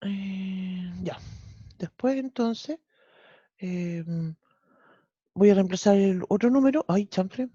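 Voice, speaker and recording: A math teacher with a Chilean accent works through a problem in an online class, step by step. The voice is mellow, and the lo-fi audio sounds dry, with no room around it. The teacher keeps checking that the students follow. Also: mid-range voice, slow, long pauses, no room sound. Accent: Chilean Spanish. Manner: explains step by step, often checks with "¿cierto?".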